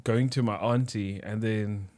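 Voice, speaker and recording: A young South African man co-hosting a podcast in casual chat, easygoing and soft-spoken, often trailing off. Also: fairly low pitch, steady tone, measured pace. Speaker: podcast co-host.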